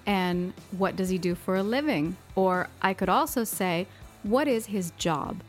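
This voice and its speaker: A woman co-hosting an English-learning podcast, explaining things in a clear, friendly way. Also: mid-range voice, a little slow, soft background music. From United States. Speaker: podcast co-host.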